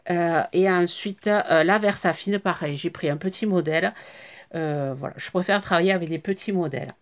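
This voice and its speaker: A French woman with a slightly hoarse voice, chatting casually and hesitantly about her crafting purchases, full of fillers and restarts. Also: sits low. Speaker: crafting YouTuber. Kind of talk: casual haul show-and-tell.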